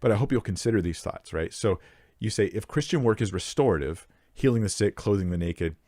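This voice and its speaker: Earnest low-voiced man answering a question. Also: lively intonation, a little fast, mellow, no room sound, studio quality. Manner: earnest, emphatic, thinks aloud with restarts and fillers. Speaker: Bible Q&A host. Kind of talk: answering a listener question to the mic. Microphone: close microphone.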